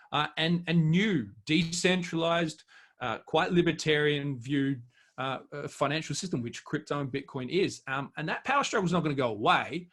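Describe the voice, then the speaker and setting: A man's voice: fairly high pitch, a bit bright, slightly rough. A man speaking as a guest expert in an interview, giving emphatic, argumentative commentary in an unscripted way.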